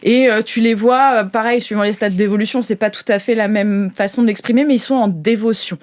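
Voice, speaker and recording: A woman's voice: mid-range voice, steady tone, a little fast. A woman narrating an improvised tabletop game informally as game master.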